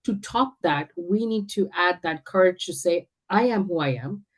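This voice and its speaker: A woman's voice: on the low side, lively intonation, normal speed. A woman from India speaking as an interview guest, talking confidently and emphatically with frequent restarts. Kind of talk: casual interview chat.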